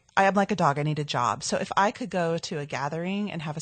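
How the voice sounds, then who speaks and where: A somewhat breathy, fairly quick voice with an American accent, ordinary pitch variation and a quiet background. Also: woman. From New Jersey, US. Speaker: entrepreneur and author. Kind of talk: interview.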